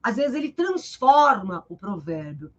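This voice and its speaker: A woman teacher with a Brazilian Portuguese accent explains literature in a live video-call interview, keeping things lively and explanatory. She constantly checks in with her listener, tagging sentences with "né?". Her medium-pitched voice runs a little slow, and the sound is lo-fi.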